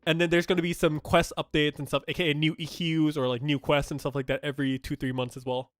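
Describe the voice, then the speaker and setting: A man's voice: a little high, level tone, quick pace. A young man from Thailand whose first languages are Thai and Japanese, talking through game news in a chatty, blunt way with lots of fillers and restarts. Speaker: gaming streamer. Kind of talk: casual game news reaction commentary.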